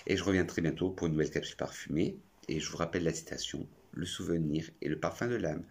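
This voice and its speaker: A man's voice: deep voice, fast, husky. A French man reviewing perfumes in a chatty, effusive vlog. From France. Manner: chatty and effusive, talks to himself. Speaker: perfume youtuber.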